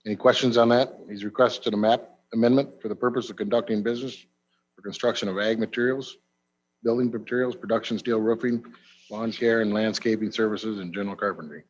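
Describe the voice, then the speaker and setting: A man chairing a county committee meeting, moving briskly through motions and votes. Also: lowish voice, fairly even intonation, muffled recording.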